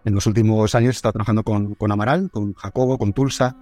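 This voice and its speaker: Low-voiced man, halting interview answers. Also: fairly even intonation, a little mellow, faint music behind. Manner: halting, many restarts and fillers. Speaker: music manager.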